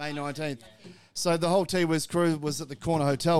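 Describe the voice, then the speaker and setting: A man speaks with an Australian accent. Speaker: podcast host. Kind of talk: casual chat. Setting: studio with live audience. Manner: animated.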